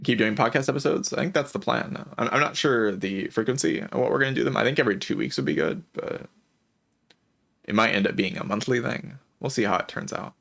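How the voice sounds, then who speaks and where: A man livestreaming a game and chatting casually, with heavy vocal fry, a low-energy hesitant delivery and a voice strained by a lingering cough. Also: fairly quick, a bit bright. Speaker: game streamer. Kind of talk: casual livestream chat while playing a game.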